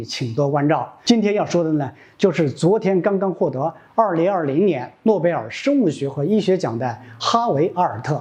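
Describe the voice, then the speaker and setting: Very wide pitch swings from a man with a high-pitched voice, at a moderate pace. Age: 40s. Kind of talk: science video narration.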